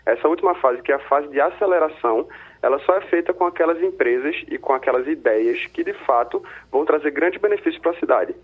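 A man's voice: a little high, brisk, slightly rough. A Brazilian man who works as a city secretary, explaining things step by step in an interview, heard over a crackly phone line. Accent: Brazilian Portuguese. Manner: explains step by step, often trailing into tag questions. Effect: crackly, tinny phone line. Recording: tinny phone-line audio.

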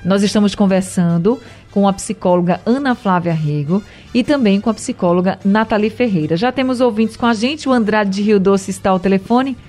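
A woman hosting a radio call-in show. She addresses listeners and guests in a friendly, measured way. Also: medium pitch, darkish tone, faint music behind. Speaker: radio host.

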